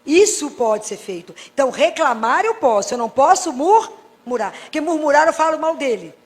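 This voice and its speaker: High-voiced Brazilian woman preaching. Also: normal speed. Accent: Brazilian Portuguese. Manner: lively, rhetorical questions to the audience. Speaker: Catholic preacher, pediatrician. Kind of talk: sermon to a live congregation.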